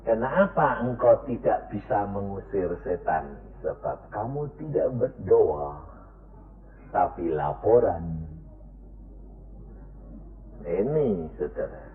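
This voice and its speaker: A man preaching a sermon, swinging between high cries and low murmurs as he questions his congregation. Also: big pitch swings, slow pace, long pauses. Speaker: evangelist preacher. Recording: echoey, tinny lo-fi sermon tape.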